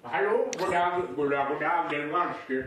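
A man's voice: fairly high pitch, background noise, natural voice. A man voicing a cheerful, childlike blue male puppet creature who muddles his words, chatting as a guest on morning radio. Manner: slow, muddled, cheerful rambling. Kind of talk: comedic radio guest interview.

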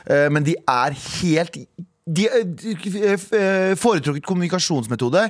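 A young man hosting a radio show, telling a story in casual chat and acting out the people in it with big leaps in his voice. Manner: animated storyteller, acts out people with big pitch jumps. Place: radio studio.

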